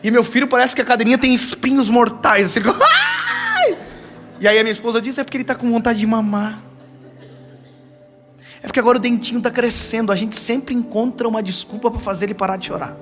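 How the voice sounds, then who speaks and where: A man's voice: very high-pitched, steady tone, quick pace, over music. A young man preaching a sermon in Brazilian Portuguese, telling stories animatedly and acting out the quotes. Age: young adult. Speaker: pastor.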